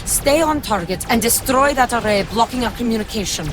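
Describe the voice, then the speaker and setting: A woman's voice: fairly high pitch, animated, fairly quick, natural voice. A woman voicing a cold, distrustful female cyborg commander who speaks in a formal, clipped way over game music. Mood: urgent. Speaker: allied commander. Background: game score music.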